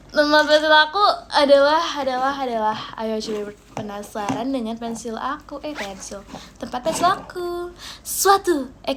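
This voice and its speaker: A young woman from Indonesia chats playfully through a livestream, her voice high and light as she reads out viewer gifts. She drifts into English phrases mid-sentence. A faint hiss of background noise sits under her phone-mic sound. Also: a bit bright. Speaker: idol livestream host. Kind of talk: casual livestream chat.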